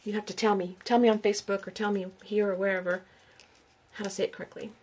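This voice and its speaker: A woman's voice: medium pitch, flat delivery, quick pace, a little mellow, a little hiss or hum. Middle-aged woman, chatty, casual on-camera vlog, camera mic at table distance. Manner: chatty, sounds out names aloud, asks viewers questions. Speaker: YouTube crafter hosting a giveaway.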